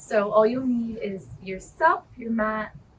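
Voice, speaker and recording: A put-on character voice comes across as squeaky. It moves at a fairly slow pace. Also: woman, fairly high pitch for a woman. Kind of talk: warm, calm instructor.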